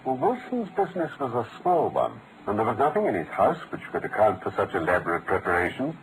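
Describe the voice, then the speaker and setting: An actor playing a brilliant, world-weary British gentleman detective in an articulate, theatrical old-time radio drama style. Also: fairly low pitch, wildly swooping pitch, a little fast, noisy background. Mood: precise, deductive. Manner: articulate, theatrical, explanatory delivery.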